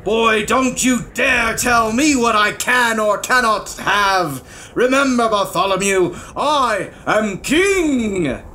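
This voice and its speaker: A man's voice: sits high, lively intonation, slow pace, sharp tone, pitched above the performer's own voice, heavily acted. A man voicing an angry, imperious old king in a storybook, growling and bellowing as he stretches out his words.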